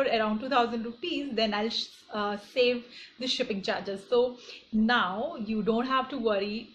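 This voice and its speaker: A young woman with an Indian accent, an online shopping vlogger, talks casually to her viewers and explains things. Her voice is a little high and a bit bright, captured on dull lo-fi phone audio with clear background noise.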